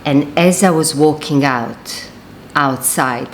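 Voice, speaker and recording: A woman's voice: deep voice, takes it slowly, a little hiss or hum. A woman in her forties from Serbia, chatting casually in a rambling vlog with lots of fillers and restarts. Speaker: vlogger.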